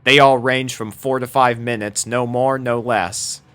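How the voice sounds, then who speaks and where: A man's voice: medium pitch, fairly even intonation, measured pace, a bit bright, clean tone. A man reading a scripted fan-fiction story aloud as narrator.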